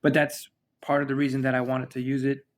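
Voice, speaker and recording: A man's voice: mid-range voice, completely flat delivery, brisk. A man from the United States hosting a podcast, chatting casually and rambling with many fillers and restarts. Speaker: podcast host. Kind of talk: casual chat.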